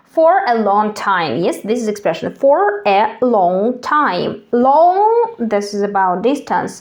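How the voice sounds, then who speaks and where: Noticeable background noise surrounds a woman with a fairly high pitch. She talks at a very slow pace. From Kazakhstan. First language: Russian. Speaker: English teacher. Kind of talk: tutorial. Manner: slow and repetitive drilling.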